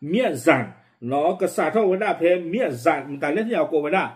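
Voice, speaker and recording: A man presenting and commenting on the news in a rapid, informal way, with many fillers. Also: on the high side, expressive. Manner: quick, running commentary with frequent fillers.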